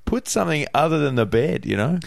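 A man's voice: on the high side, very animated, brisk, creaky, no echo. A man appearing as a guest comedian on a podcast, wry and joking in casual chat.

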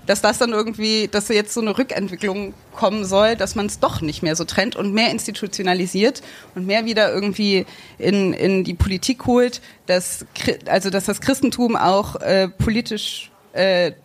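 A woman's voice: mid-range voice, normal speed. A young woman raised bilingual in Germany, chatting casually as co-host and searching for her words with many fillers and restarts. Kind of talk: casual chat.

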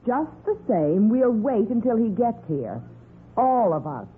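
A woman's voice: a little high, big pitch swings, a little slow, over music. An actress playing a feisty, loyal woman in a 1940s radio crime drama, firm and tart in her answers. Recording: tinny 1940s radio broadcast.

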